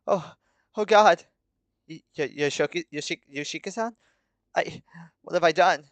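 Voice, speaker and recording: A man's voice: fairly high pitch, unhurried, no room sound, pitched above the performer's own voice. A man voicing an intense, volatile teenage schoolgirl in a dramatic story reading. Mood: horrified, stammering. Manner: stammering, intense. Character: angry, panicked teenage schoolgirl with a knife. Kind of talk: dramatic fan-fiction reading.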